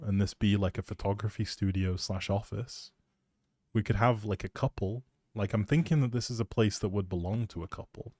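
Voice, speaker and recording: A man chatting casually on a live game stream, informally thinking out loud as he goes. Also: fairly low pitch, no room sound, clean studio sound.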